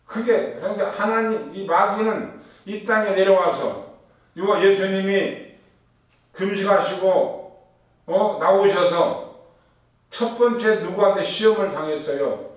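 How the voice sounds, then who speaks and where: A man's voice: high voice, slow pace, long pauses. A male pastor preaching a sermon, putting questions to his congregation and answering them. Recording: echoey room with a distant mic.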